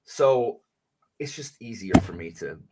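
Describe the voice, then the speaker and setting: A man's voice: on the low side, expressive, unhurried, very noisy. A man chatting casually as a guest on a live stream, rambling and self-deprecating with lots of restarts.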